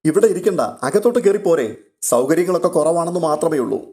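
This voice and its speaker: A man's voice: a little high, lively intonation, a little fast, darkish tone, voice pushed up. A man voicing a kindly older man who welcomes a guest plainly. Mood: welcoming. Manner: plain, hospitable.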